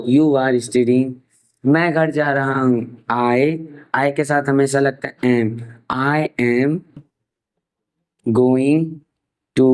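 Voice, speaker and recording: In a low-quality recording, a young Indian man with a fairly high, darkish voice and an Indian accent teaches English grammar in an online class. He goes step by step, dictating examples word by word, and mixes English terms into his Hindi explanation.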